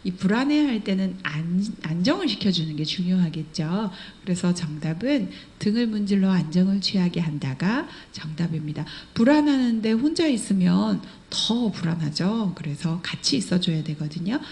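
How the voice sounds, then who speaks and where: Lively-voiced woman explaining exam answers. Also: fairly low pitch, moderate pace, hardly any pauses. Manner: explains patiently, acts out residents' remarks. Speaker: care training school director.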